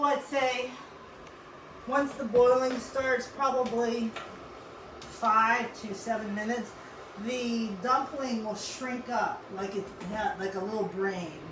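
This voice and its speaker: A woman from Western Pennsylvania hosting a casual cooking demonstration, chatty and instructive, with frequent asides. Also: a little high. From Western Pennsylvania, USA. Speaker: cooking show host. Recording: echoey room with clear background noise.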